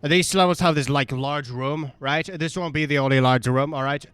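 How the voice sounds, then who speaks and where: A man giving casual gameplay commentary in a rambling, irreverent, animated way. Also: on the high side, moderate pace, smooth, no echo. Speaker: video game streamer.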